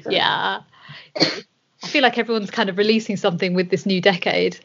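A woman's voice: mid-range voice, animated, moderate pace, fairly bright tone, a little hiss or hum. A woman hosting a podcast, chatting casually and laughing often with her guest. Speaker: podcast host, interviewer. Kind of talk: casual interview chat. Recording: slightly dull lo-fi sound.

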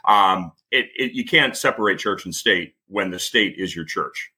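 A man's voice: low voice, normal speed, pushed and bright, slightly rough. A man speaking as a guest in a casual interview, often restarting and repeating words as he thinks. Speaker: podcast guest, law enforcement trainer.

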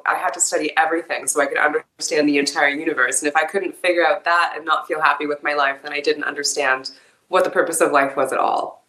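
Low-voiced woman in an echoey room. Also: quick pace. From Canada. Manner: reflective, expressive, laughs often. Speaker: podcast guest. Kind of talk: casual interview talk.

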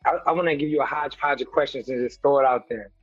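A man from the American Midwest interviewing a guest in a casual, playful, slangy way with quick interjections. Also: mid-range voice, no room sound, muffled recording, faint music behind. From Detroit, Michigan, US.

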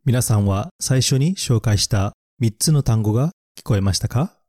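A man hosting a picture-book English podcast, reviewing vocabulary slowly and carefully and repeating English words and phrases for learners. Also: medium pitch, expressive, warm tone, no room sound, studio quality.

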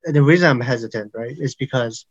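A man's voice: mid-range voice, brisk, no echo, lo-fi sound. A man speaking as the expert guest in an interview, earnest and a little hesitant, repeating words as he thinks. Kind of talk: casual interview chat.

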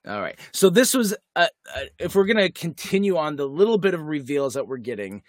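A slightly higher-voiced man talks through a TV episode on a podcast in loose, animated chat, jumping between scenes with quick asides. The recording is close and dry, with no room sound. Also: dry recording. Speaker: podcast co-host. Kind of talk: casual episode recap chat.

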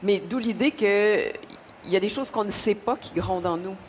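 A woman's voice: mid-range voice, moderate pace, a little hiss or hum. Effusive woman interviewer. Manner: enthusiastic, effusive. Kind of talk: radio interview.

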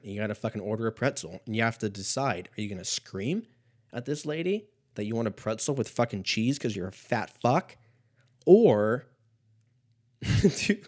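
A man in his thirties talking alone on a comedy podcast in a loose, rambling way. He swears freely and slips into muttered asides, then jumps back up to loud, punchy quips. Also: fairly low pitch. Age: 30s. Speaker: podcast host. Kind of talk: casual solo comedic rant.

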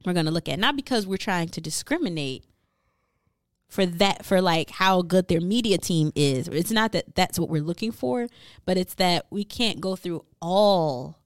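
A woman co-hosting a casual discussion, explaining her views in a steady, reasoned way. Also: lowish voice, normal speed, no room sound, clean studio sound.

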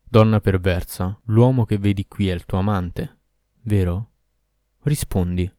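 A man voicing a cruel, furious male demon who shouts accusations and orders in a storybook reading. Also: fairly low pitch, a little slow, no echo, clean studio sound, close to an everyday voice. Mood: menacing. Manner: loud, commanding, accusing.

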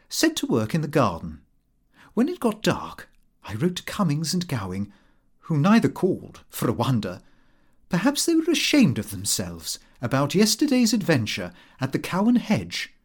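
A man's voice: on the high side, husky. A man narrating a comic Victorian diary, with a prim, aggrieved, theatrical manner. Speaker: audiobook narrator.

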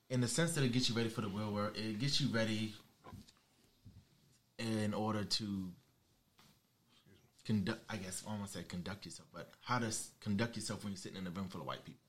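A man's voice: on the low side, lively intonation, brisk, pauses often, a bit bright. An African American man in his thirties chatting casually and candidly in colloquial, freely sweary speech. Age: 30s. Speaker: panel discussion participant. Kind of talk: casual chat.

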